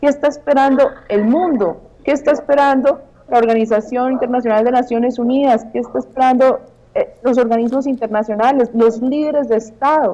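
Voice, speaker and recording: A woman's high voice at a fairly quick pace, with fairly even intonation. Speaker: guest. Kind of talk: casual talk. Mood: indignant, rhetorical questioning. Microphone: video call.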